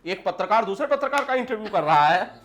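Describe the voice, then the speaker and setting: A man's voice: sits high, lively intonation, a little fast, a bit bright. A man interviewing an actress, asking teasing questions and laughing as he talks. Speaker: interviewer, entertainment journalist. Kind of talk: film-industry interview.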